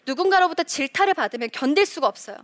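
A middle-aged woman, once a reporter, gives a lively faith-based talk full of rhetorical questions. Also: sits high, fast. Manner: animated, acts out quoted voices. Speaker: Christian speaker, former reporter.

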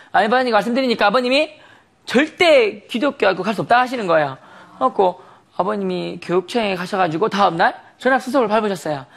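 A man's voice: sits high, gravelly, a bit bright. A man giving a sermon testimony, telling a story animatedly with frequent laughter and rhetorical questions.

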